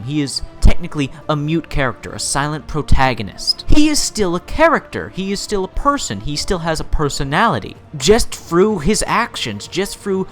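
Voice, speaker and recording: A man's voice: a little high, fairly bright tone. A man hosting a video essay on games, speaking emphatically and informally, stacking up words and repeating phrases to drive opinions home. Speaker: video host.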